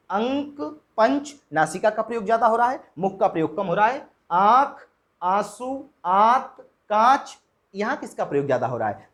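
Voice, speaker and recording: A man giving a Hindi lesson in lecture style, asking his own questions and answering them, pausing to check in after each point. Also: high voice, fairly bright tone. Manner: drills example words slowly one by one. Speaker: Hindi teacher.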